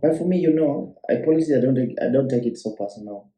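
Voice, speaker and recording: A man's voice: mid-range voice, quick pace, warm tone. A man with a Kenyan accent, a business owner chatting easily as a guest, with hesitant restarts. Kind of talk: casual interview chat. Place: room in Kenya. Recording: echoey room.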